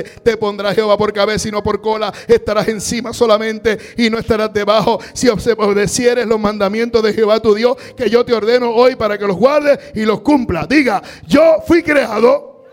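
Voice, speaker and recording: A man preaching a sermon, calling on the congregation to repeat after him and rising to shouts. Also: sits high. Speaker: pastor.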